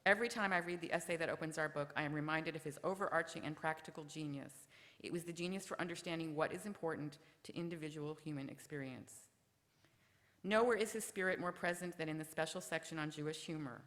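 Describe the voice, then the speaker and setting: Low-voiced woman reading remarks in a hall. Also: a bit bright. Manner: measured, ends with a told joke. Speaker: speaker at memorial session. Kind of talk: prepared remarks read aloud. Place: lecture hall. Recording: lecture hall reverb.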